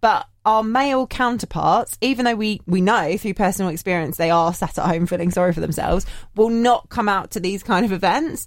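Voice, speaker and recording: Speaking in a plain, everyday voice, a woman uses a medium pitch and lively intonation. Her pace is fairly quick, with hardly any pauses. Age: 30s. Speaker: podcast co-host. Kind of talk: casual chat.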